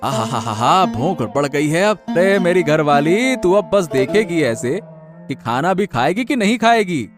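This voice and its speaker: A man's voice: on the high side, sing-song, measured pace, music in the background. A man voicing a worried young husband in a cartoon story, pleading and fretful. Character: anxious young husband, worried for his wife.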